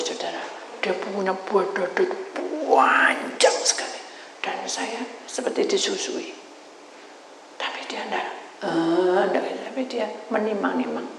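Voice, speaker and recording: A woman pastor preaching a sermon, telling her testimony dramatically, swinging between loud cries and whispers. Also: medium pitch. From Indonesia. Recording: echoey hall with long reverb, faint noise.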